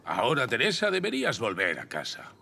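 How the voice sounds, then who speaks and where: A man voicing a stern but caring old mountain grandfather in an animated series, gruff and measured. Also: medium pitch, heavily acted. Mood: grave, reluctant. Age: older.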